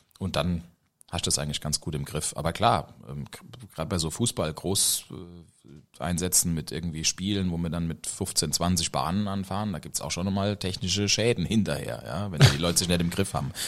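A voice with vocal fry, ordinary pitch variation, and a moderate pace. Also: man, very deep, low pitch for a man. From Ludwigshafen, Palatinate, Germany. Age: 30s. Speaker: tram driver. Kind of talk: casual chat.

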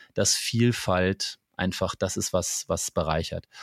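The voice moves at a fairly slow pace with ordinary pitch variation, its sound dry and close with no echo on a very clean recording with a silent background. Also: man. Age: 50s. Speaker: HR executive. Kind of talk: interview. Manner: halting, many fillers.

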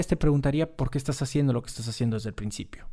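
Medium-pitched man's voice with fairly even intonation. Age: 30s. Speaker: sales coach and podcaster. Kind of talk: interview. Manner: halting.

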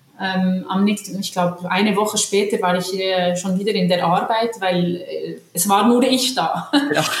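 A woman speaks at a fairly slow pace with ordinary pitch variation. Noticeable background noise and audible room echo fill the recording. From German-speaking Switzerland. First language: Italian and French (speaking German). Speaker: finance executive. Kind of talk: interview.

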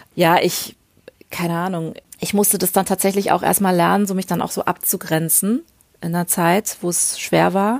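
A woman's plain, everyday voice at medium pitch, with fairly even intonation, a moderate pace and a very clean recording over a silent background. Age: 40s. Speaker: podcaster. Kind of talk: casual chat.

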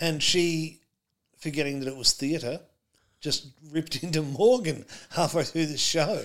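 With an Australian accent, a man talks with long, frequent pauses. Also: fairly high pitch for a man, ordinary pitch variation, fairly slow pace. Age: 60s. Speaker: comedian. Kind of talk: casual chat.

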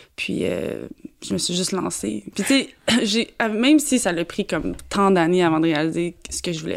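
A woman with a Quebec accent at a fairly slow pace, on a very clean recording with a silent background. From Quebec, Laurentides (rural). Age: 30s. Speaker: photographer. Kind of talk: interview conversation.

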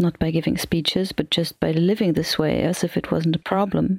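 A woman's fairly low voice in a German accent, fairly quick and monotone, flat in intonation, with a dry, close sound and no echo. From Germany. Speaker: listener caller. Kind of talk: recorded voice message.

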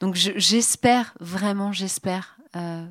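On a very clean recording with a silent background, an ordinary speaking voice moves through ordinary pitch variation. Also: woman. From Normandy, France. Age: 40s. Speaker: comedy venue manager and producer. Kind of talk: casual chat. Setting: studio on a barge.

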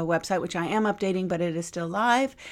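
On a very clean recording with a silent background, a woman with an ordinary speaking voice talks at a moderate pace in a fairly low pitch with ordinary pitch variation. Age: 60s. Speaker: marketing consultant and podcast host. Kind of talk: interview conversation.

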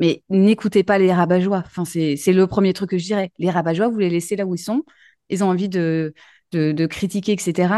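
Dark and mellow in tone, a woman's medium-pitched voice moves at a moderate pace with fairly even intonation, recorded dry and close with no echo against a quiet background. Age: 40s. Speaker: business owner. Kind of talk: interview. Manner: halting.

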